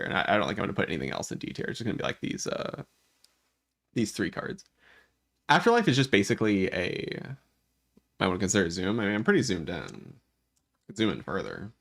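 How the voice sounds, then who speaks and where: A man with a deep, gravelly voice, rough and worn from being sick. He rambles through card rankings for his channel, stopping and restarting his sentences. His pitch still swings widely as he talks. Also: fairly bright tone. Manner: rambling, restarts often, thinks aloud. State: voice worn from illness, occasional coughs. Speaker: gaming YouTuber. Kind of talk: casual commentary while ranking game cards.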